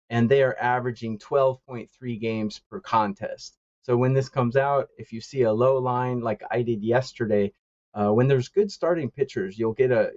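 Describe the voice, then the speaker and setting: A man talking casually about Asian baseball betting, halting with many fillers and chuckles. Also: medium pitch, darkish tone, no room sound, muffled recording. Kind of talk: casual call-in chat. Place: lives in East Asia.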